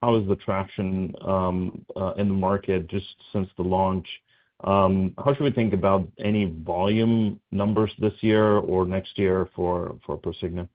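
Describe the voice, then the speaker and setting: A man asking questions as a financial analyst on an earnings call, halting and hesitant in his phrasing. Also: low voice, steady tone. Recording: tinny phone line.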